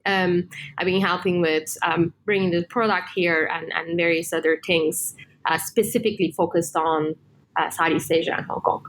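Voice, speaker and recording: A woman's voice: lowish voice, steady tone, normal speed, a bit bright, poor audio. Woman, 30s, Turkish native speaker, hesitant interview guest, faint background noise. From Turkey. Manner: hesitant, many fillers and restarts. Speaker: guest, tech executive. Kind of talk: casual interview answers.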